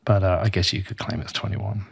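A man's voice: low-pitched, fairly even intonation, brisk, gravelly, husky. A man hosting a podcast, chatting enthusiastically and often restarting his sentences. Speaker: podcast host. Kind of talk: casual podcast conversation.

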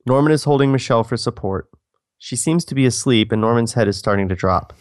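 A man narrates screenplay directions in a casual, joking read-through. His voice is mid-pitched and recorded dry, and he drops in offhand asides as co-host. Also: fast, dry recording. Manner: breaks off into asides.

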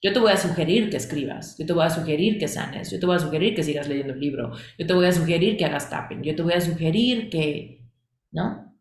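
A woman's voice: sits low, lively intonation, brisk, darkish tone, echoey room. A woman teaching a coaching class, asking questions and listing points in repeated phrases. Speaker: coaching instructor.

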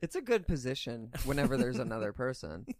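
A man's voice: mid-range voice, sing-song, fast, dry recording. A young man in casual film chat, wry and teasing, laughing along with his co-host.

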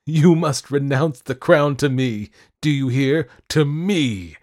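A man performs a deluded madman who believes a crown is his. The voice is pushed well above a low natural register, imperious and furious, with emphatic shouted commands in a dramatic storybook style. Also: slow pace. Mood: triumphant, demanding. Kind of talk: dramatic audiobook character acting.

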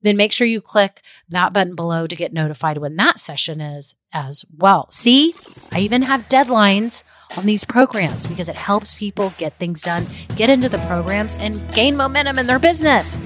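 A woman's voice: medium pitch, lively intonation, moderate pace, a bit bright, soft background music. Upbeat woman advice vlogger. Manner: upbeat, encouraging, tidy step-by-step advice. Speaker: host of a business advice show. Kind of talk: casual advice vlog, talking to viewers.

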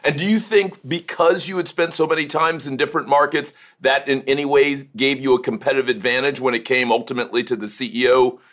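A man's voice: medium pitch, steady tone, fast talker, few pauses, a bit bright. A man hosting an interview, asking curious questions and often restarting them, laughing easily. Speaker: interview host. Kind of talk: interview conversation.

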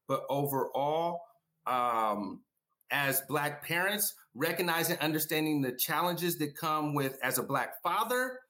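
A male guest educator on a discussion panel, his voice pitched a little high. He argues earnestly, circles back over his points and keeps checking with "right?". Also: lively intonation, unhurried, pushed and bright. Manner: earnest, repeats himself, tags points with "right?".

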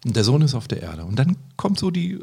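A man's voice: medium pitch, sing-song, fairly quick, vocal fry, dark tone, slightly rough. A man in casual conversation about a Bible passage, asking his partner questions and reading verses aloud. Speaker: Bible study co-host.

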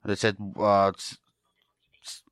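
A man's voice: fairly low pitch, monotone, takes it slowly, a bit bright, clean tone, no room sound, studio quality. A man co-hosting a casual review chat, animatedly retelling scenes and swearing casually. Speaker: podcast co-host.

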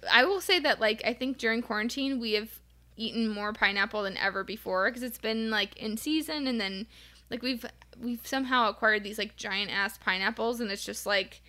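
A woman's voice: fairly high pitch, normal speed, sharp tone. A woman co-hosting a casual chat, talking in a rambling way full of fillers. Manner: chatty, rambling with many likes. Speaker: podcast co-host.

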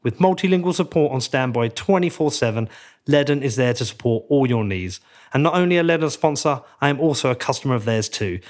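An English man hosts a podcast, reading sponsor spots in a conversational way. His voice sits at an ordinary pitch for a man. He moves on to asking an interview guest questions. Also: expressive, a little fast. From England. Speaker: podcast host. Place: conference.

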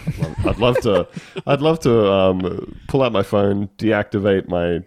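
A man's voice: fairly low pitch, measured pace, darkish tone. A man co-hosting a comedy podcast, reading a news article aloud with wry, sarcastic commentary. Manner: wry, sarcastic, reads quotes aloud with mock voices. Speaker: podcast co-host.

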